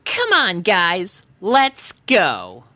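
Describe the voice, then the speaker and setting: Man doing a cocky, sly, raised-pitch filly. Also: wildly swooping pitch, very slow, pushed and bright, dry recording, clean studio sound, full character voice. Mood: coy eagerness. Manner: coy, teasing. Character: cocky, sly young girl pony schemer.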